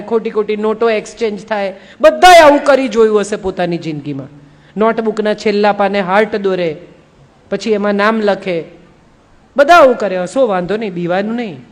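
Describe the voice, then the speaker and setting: A woman motivational speaker telling stories in a lively way and addressing the audience directly. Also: mid-range voice. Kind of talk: motivational speech.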